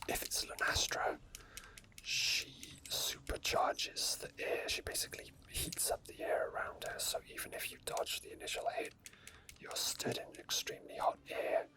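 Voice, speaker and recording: Close-up whispering ASMR gamer. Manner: soft whispering throughout. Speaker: ASMR gaming video creator. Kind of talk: whispered ASMR game commentary and chat. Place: indoor gaming setup at a computer. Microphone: microphone very close to the mouth.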